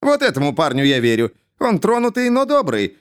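A man's voice: a little high, wildly swooping pitch, fairly quick, smooth, pitched above the performer's own voice. A man doing a mad hissing jester. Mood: mocking. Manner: jumpy, hissing, bursts into shouts. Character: mad male jester, erratic, hissing, shouting.

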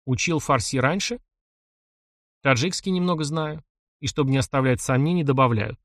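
A man's voice: medium pitch, moderate pace, a bit bright, no echo, clean studio sound. A man reading a first-person audiobook in a wry, ironic storytelling manner. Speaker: audiobook narrator.

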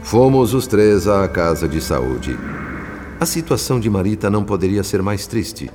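A man plays a solemn spirit narrator in a radio drama. His low voice recounts events in measured, literary phrases, in long reverb with faint music behind. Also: expressive, natural voice. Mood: grave, compassionate.

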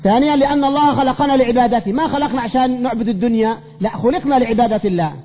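A very high-pitched man teaches a religious class, firing questions at his students and repeating them until someone answers. His preaching leans on emphatic repeated phrases. The recording is dull and lo-fi, with a long hall reverb and a faint hum. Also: rapid-fire. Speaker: sheikh teaching a creed class.

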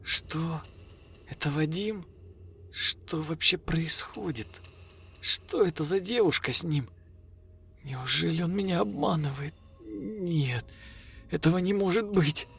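A man's voice: takes it slowly, gravelly, pauses often, breathy edge, faint music behind, heavily acted. A man voicing a distraught young woman. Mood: shocked, disbelieving. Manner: high, strained pleading and shouting. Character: young woman, tearful then panicked and angry.

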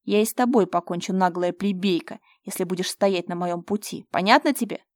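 A woman voicing a cruel, domineering young man who shouts threats. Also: lowish voice, fast talker, dry recording, studio quality, natural voice. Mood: menacing.

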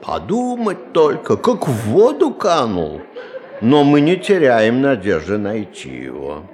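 A skeptical, condescending boss in a radio drama. His delivery is unhurried and drawling, with broad, lively swoops of pitch that sound patronizing and dismissive. A faint noise lies behind the voice. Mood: breezy politeness. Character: condescending male boss, brusque yet soothingly skeptical. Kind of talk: Russian radio play acting.

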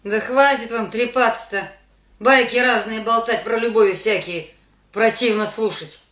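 A resentful, sharp-tongued wife in a radio play. Her high, bright voice cuts with sarcasm as she scolds. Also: unhurried, roomy sound. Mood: scornful.

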